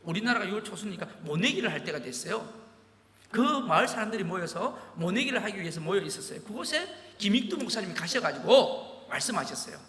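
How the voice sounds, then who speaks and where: A man's voice: sits high, a little fast, a little hiss or hum. A man preaching a sermon as pastor, telling stories and firing rhetorical questions at the congregation. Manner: animated storytelling with rhetorical questions. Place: large church sanctuary. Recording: echoey church hall.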